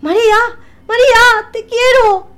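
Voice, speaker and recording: A woman's voice: high-pitched, very animated, unhurried, fairly bright tone, voice pushed up, heavily acted. A woman voicing the ghost of a young husband who pleads desperately to be heard. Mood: pleading.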